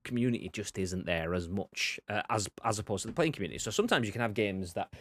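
A man's voice: on the low side, fast, no echo. A man hosting a video game podcast in casual chat, reading viewer comments and mocking with swearing. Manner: animated, mocking, swears, acts out both sides.

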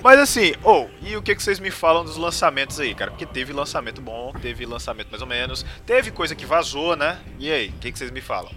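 A man's voice: mid-range voice, expressive, a little fast, few pauses, bright, forceful tone, faint music behind. A Brazilian man hosting a casual podcast chat, laid-back and slangy, often asking the others questions. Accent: Brazilian Portuguese. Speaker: podcast host.

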